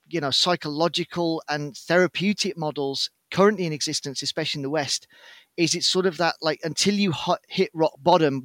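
A middle-aged British man, a podcast guest, explaining his outdoor work in a measured, articulate way. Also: a little high, a bit bright, dry recording. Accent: British English. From United Kingdom. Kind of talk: casual podcast interview.

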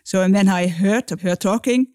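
A middle-aged woman, a guest expert on a podcast, speaking English in halting phrases that often restart. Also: medium pitch, darkish tone, clean tone, dry recording, clean studio sound. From Netherlands. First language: Dutch. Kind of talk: podcast interview.

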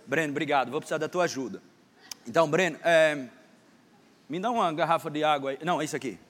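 A man on the high side, speaking quickly with a fairly bright tone, preaches a playful sermon in a church hall. He acts out a lesson on stage while joking around and teasing a volunteer in front of the congregation. The recording carries long hall reverb and faint background noise.

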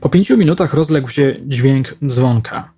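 A man narrating a crime novel audiobook with a steady, even reading. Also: medium pitch, a little slow, slightly rough.

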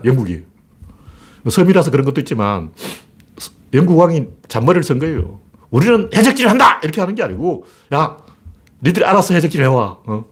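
Man, political commentator, husky voice, fairly high pitch, animated lecture monologue. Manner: animated, acts out shouted orders in mock voices.

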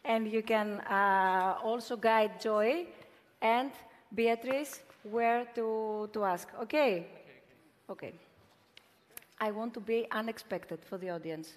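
A woman moderating an event informally, in a halting way. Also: a little high, fairly even intonation. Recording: echoing hall.

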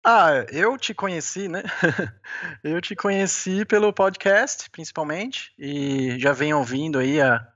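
A Brazilian-accented man chats as a podcast guest, and his voice comes through a phone line. The sound is muffled and lo-fi, and his voice is fairly high, bright and forceful. He talks in a relaxed, chatty way and often adds small filler words. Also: a little slow. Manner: easygoing, chatty, sprinkles "né" and small laughs. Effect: heard over a phone line. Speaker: podcast guest, beginner mountaineer. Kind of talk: casual interview chat.

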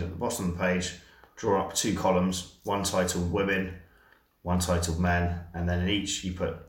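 A man's voice: low voice, fairly bright tone, reverberant. A man working as a dating coach, explaining things step by step in a chatty, casual way with lots of fillers. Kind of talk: casual instructional podcast chat.

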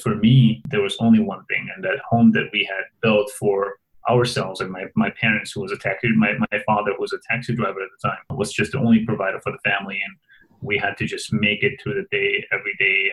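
A man, speaking as an interview guest. He tells his story thoughtfully, often restarting sentences and pausing on fillers. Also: on the low side, fairly bright tone, poor audio. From Afghanistan. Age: 20s. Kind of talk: reflective storytelling interview answers.

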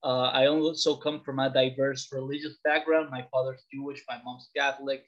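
A man from the Dominican Republic, around forty, talks casually about himself as a podcast guest, telling personal stories in an interview. His voice is medium-pitched and a bit bright, with a level tone and normal speed. The lo-fi recording sounds slightly dull.

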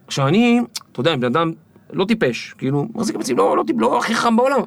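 Animated man telling stories, dry sound. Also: high-pitched, vocal fry, no echo. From Israel. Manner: animated, acts out the people in his stories. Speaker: podcast guest. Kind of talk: storytelling interview.

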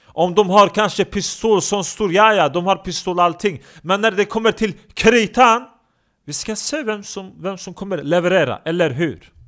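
A man voicing a boastful young man who is quick to insult others, talking bluntly in broken street Swedish in a comedy podcast sketch. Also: high-pitched, fairly bright tone, pitched above the performer's own voice. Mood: brash, scornful.

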